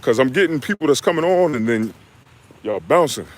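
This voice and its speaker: A man's voice: mid-range voice, animated, a little fast. Laid-back young man coaching on a live stream. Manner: laid-back, slangy, talks straight to viewers with "y'all" and "man". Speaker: fitness coach. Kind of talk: live stream Q&A, reading chat comments.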